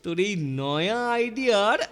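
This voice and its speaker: A man's voice: high voice, lively intonation, moderate pace, a bit bright. A man voicing a mischievous, spiteful cartoon schoolboy with a gloating, teasing way of talking. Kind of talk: children's cartoon dubbing. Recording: long reverb, faint music behind.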